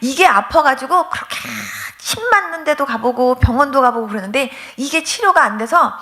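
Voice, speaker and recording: A woman pastor delivers a testimony sermon, telling her story vividly and acting out the dialogues. She speaks in a high voice at a moderate pace.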